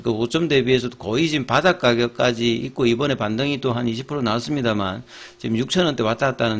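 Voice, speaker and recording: A middle-aged man giving casual commentary on stocks, explaining step by step with many fillers and restarts. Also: mid-range voice. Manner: explains with frequent fillers and restarts, steady and methodical.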